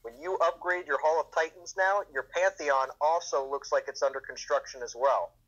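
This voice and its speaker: A man on a casual gaming voice chat, talking animatedly and acting out excitement. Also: on the high side, moderate pace, dull audio. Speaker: fellow streamer on voice chat.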